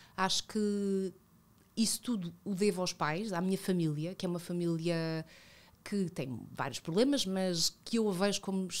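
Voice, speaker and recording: Medium-pitched female voice at a fairly slow pace, with ordinary pitch variation. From Portugal. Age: 30s. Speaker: entrepreneur and mother; podcast guest. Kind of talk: casual interview conversation. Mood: reflective, personal story. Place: studio. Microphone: studio mic.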